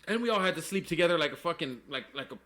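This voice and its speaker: A man in his forties, a pro skateboarder, telling animated stories in casual chat with lots of slang and swearing. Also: fairly high pitch, rapid-fire. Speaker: guest, professional skateboarder.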